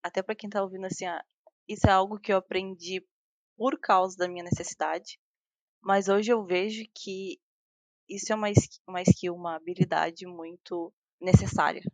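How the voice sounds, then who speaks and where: A woman's voice: fairly low pitch, steady tone, normal speed, no echo. Chatty woman, dry sound. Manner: chatty, frequent restarts and fillers, laughs while talking. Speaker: guest software engineer. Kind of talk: casual interview talk.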